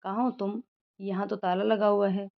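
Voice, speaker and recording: In a storybook narration, a woman reads the role of a young woman doctor who is fond but easily upset, scolding her boyfriend affectionately. Her medium-pitched voice stays level at normal speed, lightly acted, on a dull lo-fi recording.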